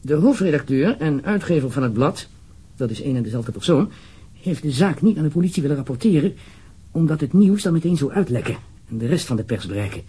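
Husky, evasive government official. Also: male voice, fairly high pitch, lively intonation, fast talker, warm tone. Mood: formal, displeased. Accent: Netherlands Dutch. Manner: hesitant, formal, wordy, throat-clearing. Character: uneasy, evasive male government official, formal and diplomatic. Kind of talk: radio drama dialogue.

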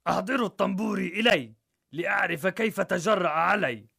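A man's voice: high-pitched, brisk, creaky, sharp tone, husky, pitched above the performer's own voice, heavily acted. A man voicing a stern, pompous male judge who gives commanding orders in a told story. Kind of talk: storybook narration.

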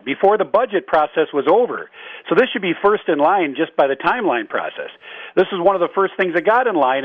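A man, a state representative, talking earnestly on a phone-in interview, pausing often with filler sounds. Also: a little high, no echo. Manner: halting, with many filler sounds; tells stories earnestly. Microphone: telephone. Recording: dull, dry phone line.

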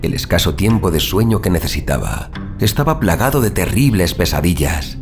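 A man's voice: sits low, big pitch swings, normal speed. A man playing a tormented superhuman vigilante who narrates his own fall into violence in a brooding, dramatic horror audio drama. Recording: dramatic music behind the voice.

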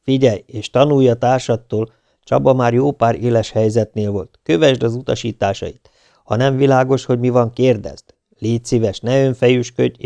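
A man voicing a steady male nurse who calmly instructs and looks out for a younger colleague, in an audiobook. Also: medium pitch, gravelly, dry recording, natural voice. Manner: calm, instructive. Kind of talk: audiobook character voice.

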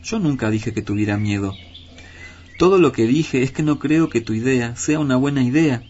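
A man's voice: mid-range voice, moderate pace, a little mellow, lightly acted. A man voicing a timid, evasive husband crow in a storybook reading, grumbling and defensive. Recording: dull lo-fi with faint hiss.

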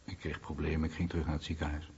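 An actor playing a weary, troubled American veteran, husky and plain-spoken, in a radio documentary drama. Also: male voice, rumbling low, flat delivery, rapid-fire, darkish tone, lo-fi sound, slight background noise. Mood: subdued, evasive. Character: weary, troubled American veteran recalling his bomber crew days.

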